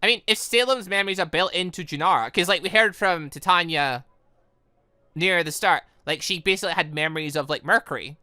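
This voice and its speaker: A man's voice: high voice, a little fast, sharp tone, clean tone, no room sound. A man hosting a gaming playthrough, reading visual novel dialogue aloud and reacting theatrically, stumbling and blurting exclamations. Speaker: gaming channel host.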